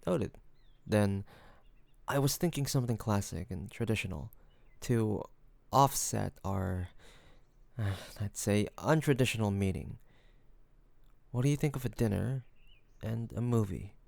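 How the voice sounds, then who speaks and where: Picture a smitten mafia boss acted by a man in a romantic audio roleplay. He talks slowly and haltingly, bashful yet courteous. The voice has a crackly low fry and sits close and dry, with no room around it. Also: dry recording. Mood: shy, tender. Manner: halting, soft-spoken, bashful hesitations.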